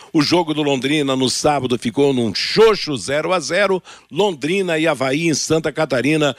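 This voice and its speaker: A Brazilian man with a slightly husky voice, presenting headlines and talk as a sports radio host. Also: fairly high pitch, no echo, studio quality.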